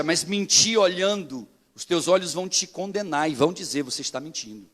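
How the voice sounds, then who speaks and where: A man's voice: sits high, fairly bright tone. A male pastor with a Brazilian Portuguese accent preaching a sermon, acting out the people in his stories as he goes. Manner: preaching with rising intensity, acting out quoted dialogue.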